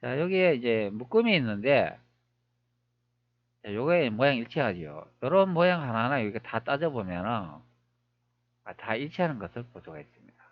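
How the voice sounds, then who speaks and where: A man's voice: mid-range voice, very animated, moderate pace, no echo, lo-fi sound. A man talking viewers through old images on screen, wondering aloud with many rhetorical questions. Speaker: history video creator. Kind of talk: screen-recorded commentary.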